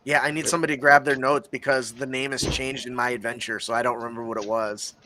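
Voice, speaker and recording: A man running a tabletop game as game master, narrating casually with many fillers and pauses. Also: medium pitch, flat delivery, bright, forceful tone.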